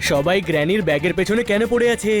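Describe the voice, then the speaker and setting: A man's voice: high-pitched, fast talker, over music, natural voice. A man voicing a helpful, take-charge animal pal in a cartoon dub. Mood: helpful, brisk.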